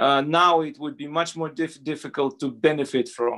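A man's fairly high voice with a Russian accent, bright and sharp in tone, at a moderate pace with ordinary pitch variation against a quiet background. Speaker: think tank researcher. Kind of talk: panel remarks. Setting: video call.

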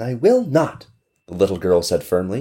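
The background is quiet here. The delivery is a natural reading voice.

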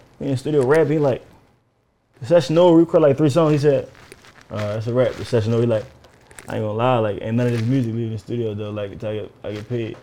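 A man speaks at a very fast pace and medium pitch, with ordinary pitch variation. Big swings in loudness and long, frequent pauses mark his delivery. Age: 20s. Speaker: rapper. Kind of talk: casual chat.

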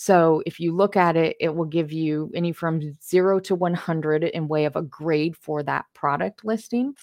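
Speaking at a moderate pace with hardly any pauses, a woman with an American accent has a fairly low pitch, ordinary pitch variation, and an unremarkable speaking voice. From Miami, Florida. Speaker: e-commerce influencer agency founder. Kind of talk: casual interview.

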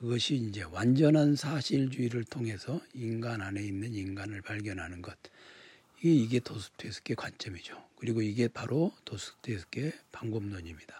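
A man's dark, mellow voice, medium in pitch and somewhat breathy, with ordinary pitch variation and a moderate pace. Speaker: literature lecturer reading a book aloud. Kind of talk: book reading with lecture-style commentary. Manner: reflective, with frequent hesitations.

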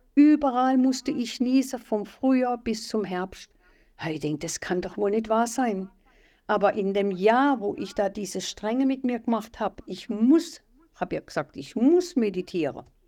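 A woman with a dark, mellow tone and fairly high pitch talks at a moderate pace with lively intonation on a very clean recording with a silent background. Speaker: meditation community member. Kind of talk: personal testimony interview.

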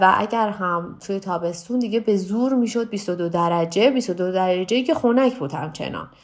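A woman with an unremarkable speaking voice talks at medium pitch and a moderate pace, with ordinary pitch variation and hardly any pauses. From Iran, Tehran. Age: 30s. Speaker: immigrant interviewee. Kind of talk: interview.

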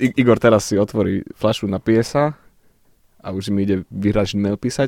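A man's ordinary speaking voice, fairly low in pitch, at a moderate pace with fairly even intonation and a dry, close sound with no echo. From Czech Republic (Hulín), moved to Slovakia at ten. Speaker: podcast sound technician and musician. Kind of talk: casual chat.

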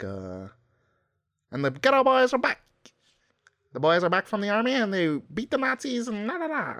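On a very clean recording with a silent background and a dry, close sound with no echo, a man puts on a high-pitched character voice with very wide pitch swings and long, frequent pauses. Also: moderate pace. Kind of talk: brisk, formal, announcer. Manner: upbeat, triumphant.

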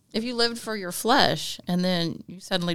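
A woman speaks at a moderate pace, fairly low in pitch, with ordinary pitch variation. It is an unremarkable speaking voice. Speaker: artist. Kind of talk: casual chat. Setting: studio.

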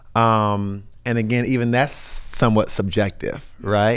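This voice carries a Southern US accent. The pace is fairly slow. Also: man. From US South. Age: 30s. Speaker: PhD student and university equity administrator. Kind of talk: interview conversation. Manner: many filler words and repetitions.

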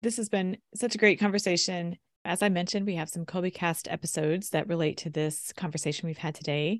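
Over a quiet background, a woman talks at a fairly quick pace with hardly any pauses, in a normal speaking voice. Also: fairly low pitch for a woman, ordinary pitch variation. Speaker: podcast host, homeschooling mom and liturgical musician. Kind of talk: casual podcast chat.

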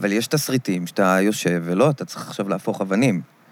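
Using a normal speaking voice, a man with a fairly low pitch talks at a fairly quick pace with lively intonation. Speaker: screenwriter and satirist. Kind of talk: casual chat.

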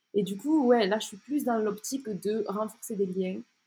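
A woman talks at a medium pitch and moderate pace with fairly even intonation. Her tone is dark and mellow, somewhat breathy. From France. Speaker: travel content creator. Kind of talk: casual chat.

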